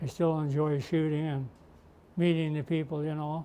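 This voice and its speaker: Monotone and flat in intonation, a man talks with a fairly high pitch. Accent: Ontario. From Canada, Peterborough Ontario. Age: 80s+. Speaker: retired competitive shooter. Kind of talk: interview.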